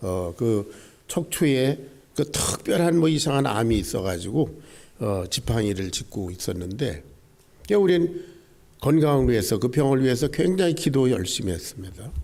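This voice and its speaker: A man with a dark, mellow tone speaks at a medium pitch and a moderate pace. His voice shows vocal fry and very wide pitch swings. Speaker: retired pastor. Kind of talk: sermon. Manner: frequent filler sounds, halting.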